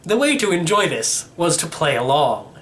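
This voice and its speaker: A man reading a first-person story aloud in an expressive narrating style. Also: fairly high pitch, normal speed, slight background noise. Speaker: audiobook-style reader.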